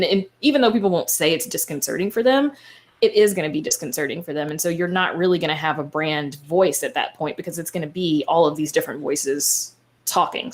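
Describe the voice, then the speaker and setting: A woman speaking as a podcaster on a panel, giving informal, explanatory advice in a conversational way. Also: deep voice.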